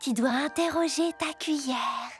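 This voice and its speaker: A woman's voice: high voice, unhurried. A woman voicing a sensible, encouraging girl with a dreamy spiritual side in a French cartoon dub. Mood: calm, mystical. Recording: music behind the voice.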